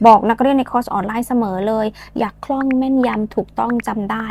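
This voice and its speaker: A woman from Thailand, speaking, teaches English phrases in a playful, teasing way and drills slow, drawn-out pronunciation. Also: on the high side, fairly even intonation, darkish tone, faint music behind. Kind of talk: lesson with repeat-after-me drills.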